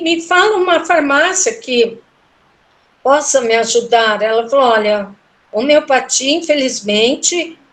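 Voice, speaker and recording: A middle-aged woman recounting a personal story in a casual interview, animated and emotional, acting out the voices of the people she spoke with. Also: high-pitched. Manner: emotional, animated retelling with quoted dialogue. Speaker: guest telling a personal story.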